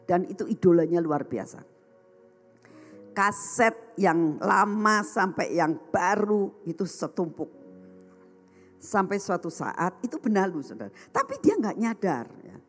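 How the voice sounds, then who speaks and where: A woman's voice: fairly low pitch, very animated, unhurried, soft background music. A woman evangelist preaching a sermon, telling a story animatedly and acting out the voices in it. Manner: addresses the congregation as brothers and sisters.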